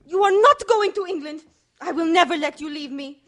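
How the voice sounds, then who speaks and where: A woman acts out a fiery young singer in a radio mystery. Her voice is extremely high. She speaks melodramatically, jealous and possessive of her man. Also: moderate pace, fairly bright tone. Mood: fierce, defiant. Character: passionate, possessive young Casbah singer with broken English. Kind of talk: radio mystery drama acting.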